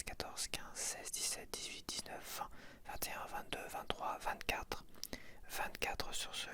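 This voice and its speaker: Softly whispering man, ASMR. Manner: soft unvoiced whisper throughout; chatty, counts aloud slowly. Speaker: ASMR creator. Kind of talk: whispered ASMR sticker-album unboxing. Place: home setup with softbox lighting.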